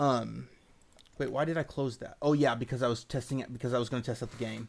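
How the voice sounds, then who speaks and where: Vocal fry runs through this very fast delivery, with fairly even intonation. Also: man, medium pitch for a man. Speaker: indie game developer. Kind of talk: live stream dev commentary. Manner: halting, many fillers.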